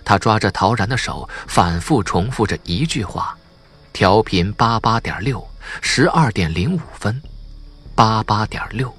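A male narrator reads a crime audiobook in a somewhat low, husky voice. His delivery is scripted storytelling, with lively swings in intonation. Music plays behind him. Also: unhurried.

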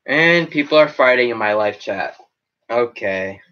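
A man's voice: mid-range voice, lively intonation, a little slow, pushed and bright, muffled recording. A teenage boy wearing a headset, casually rambling through his live chat in a small room with a green backdrop. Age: teens. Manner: rambling, chatty, reacting to comments. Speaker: livestream host reading chat.

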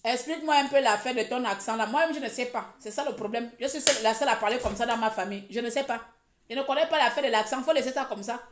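A woman's voice: a little high, fast talker, echoey room, a little hiss or hum. A woman from Gabon on a live social media broadcast, talking in a heated, mocking way and repeating words for effect. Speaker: online commentator.

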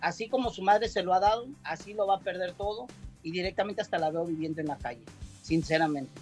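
A man's voice: high-pitched, quick pace, darkish tone, faint music behind. A man speaking as a psychic guest on a video call, rambling and repeating his words. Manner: rambling, repeats words, says "directamente" often.

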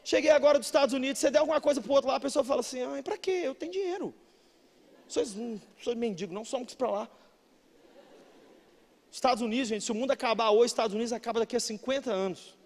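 A Brazilian man with a Brazilian Portuguese accent preaching a sermon as pastor, emphatic, breaking into shouts and then dropping low. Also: fairly even intonation, racing. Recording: long reverb of a large hall.

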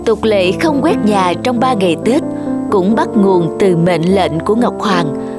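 A cartoon folktale storyteller, voiced by a woman, at a medium pitch. The scripted narration is set against very loud music. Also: lively intonation, measured pace, natural voice. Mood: explanatory. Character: storyteller of a folk tale.

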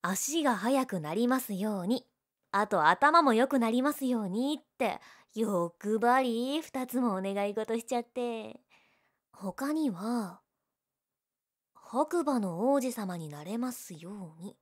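Woman acting a high-voiced tsundere girl. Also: lively intonation, slow pace. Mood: teasing. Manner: bratty teasing, flustered, emotive. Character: tsundere girl, childhood friend, teasing, prickly, secretly lovestruck. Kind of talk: Japanese romantic situation-voice audio drama.

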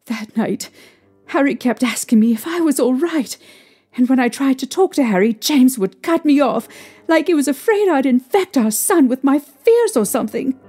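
A young woman playing a distraught, haunted mother recounting her ordeal emotionally and haltingly in an audio drama. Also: high voice, animated, dark tone, slightly rough, soft background music. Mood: uneasy, shaken.

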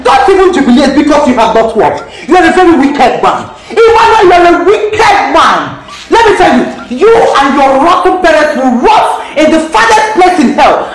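A furious woman hurls shrill curses, her voice swooping high and low, as an actress plays her. She shouts and cackles in a very echoey space. A loud crowd roars behind her. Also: big pitch swings, normal speed. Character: vengeful furious woman cursing a man. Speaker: bitter cursing woman.

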